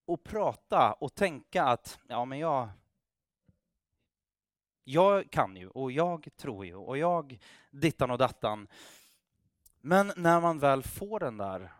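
A man's voice: on the high side, dry recording, clean studio sound. A man preaching, telling a story in a loose, conversational way with restarts and acted-out dialogue. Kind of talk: sermon storytelling.

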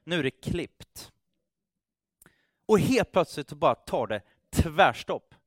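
A man's voice: on the high side, expressive, dry recording, studio quality. A man preaching, telling a story in a loose, conversational way with restarts and acted-out dialogue. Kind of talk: sermon storytelling.

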